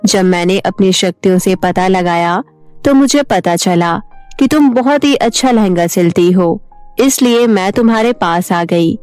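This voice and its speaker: A woman voicing a gentle young fairy bride who asks politely for help, in an animated storybook. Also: medium pitch, unhurried, dry recording, soft background music, close to an everyday voice. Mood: pleading. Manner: soft, polite and pleading. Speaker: voice-over artist.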